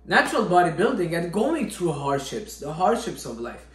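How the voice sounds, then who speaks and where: A man's voice: on the high side, big pitch swings, moderate pace, fairly bright tone. Earnest man with an echoey room sound. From Syria. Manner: earnest, repeats "all right?" often. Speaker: fitness vlogger, natural bodybuilder. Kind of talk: motivational talk to camera.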